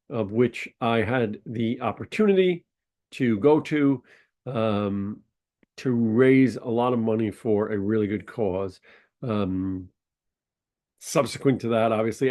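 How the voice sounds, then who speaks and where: A man's voice: on the low side, dark tone. A man hosting a podcast, his voice nasal and congested from a sinus infection, telling a story in a rambling, casual way with frequent ums and uhs. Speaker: podcast host.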